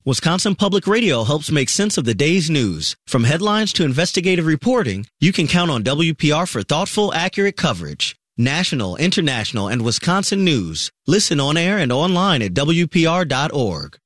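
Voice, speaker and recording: A man's voice: a little high, big pitch swings, moderate pace, few pauses, fairly bright tone, no echo, studio quality. A man reading a scripted station promo with emphatic delivery.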